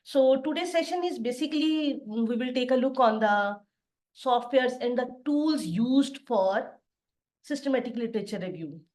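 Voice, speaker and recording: A middle-aged woman from Pakistan gives an online lecture over a video call. Her voice sits a little high, and she explains her points plainly, step by step. She pauses often with "uh" as she goes. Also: animated, darkish tone. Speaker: assistant professor giving a webinar lecture. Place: home study with bookshelves behind.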